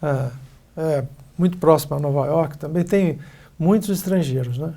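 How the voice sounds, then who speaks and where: TV host, interviewer, gravelly voice, mellow dark tone, measured questions, gentle prompting. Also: medium pitch.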